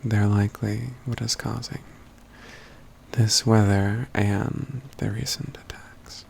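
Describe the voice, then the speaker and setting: A man playing a calm, courtly mage companion in a soft-spoken ASMR fantasy roleplay, with measured, halting phrases that often drop to a whisper. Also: lowish voice, gravelly, a little hiss or hum, exaggerated voice. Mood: calm, deliberate.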